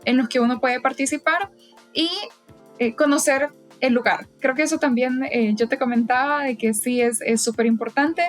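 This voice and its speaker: A woman's voice: sits high, fairly even intonation, moderate pace, faint music behind. A woman guest in a casual interview, talking in a hesitant way with frequent fillers and restarts. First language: Spanish. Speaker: podcast guest, event volunteer.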